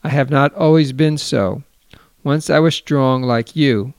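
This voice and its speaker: A man reading the part of a broken, secretive elderly exile with a low, hoarse voice. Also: measured pace, dry recording, lightly acted. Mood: somber.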